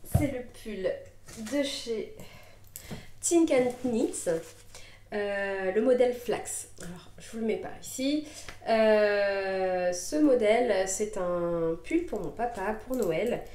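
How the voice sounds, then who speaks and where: A woman talking through her knitting in a relaxed show-and-tell vlog, at a middling pitch for her sex. She is just getting over a cold and often stops and restarts her sentences. The camera mic picks her up in an echoey room at home. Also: takes it slowly. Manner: chatty, hesitant, many fillers and restarts. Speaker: knitting podcaster.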